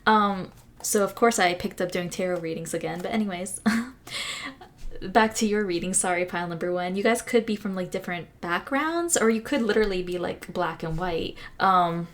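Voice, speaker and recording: A woman doing a casual pick-a-card tarot reading, rambling with lots of fillers and restarts, her voice a little hoarse from losing it. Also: fairly low pitch, normal speed. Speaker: tarot reader.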